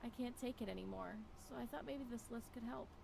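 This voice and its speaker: An actress playing a weary, anxious wife in a visual novel, speaking a wistful, melancholy inner monologue. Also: female voice, on the high side, brisk, vocal fry, background noise. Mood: anxious, pleading. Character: weary, anxious wife clinging to a broken relationship. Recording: music behind the voice. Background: music.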